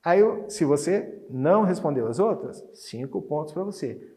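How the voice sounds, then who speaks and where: A man with a Brazilian Portuguese accent teaching an exam review lesson. He reads Spanish test items slowly, then explains them in a chatty way and keeps checking in with his students. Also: a little high, lively intonation, warm tone.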